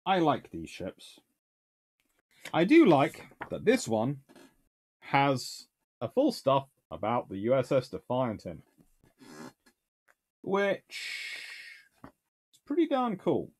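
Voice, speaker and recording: A man's voice: medium pitch, wildly swooping pitch, slow, long pauses, darkish tone, breathy edge. A British man in his thirties, a naval historian host, chatting casually from a book-lined home study with dry, wry asides and sudden bursts of enthusiasm. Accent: British English. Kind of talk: casual chat reviewing books and answering questions.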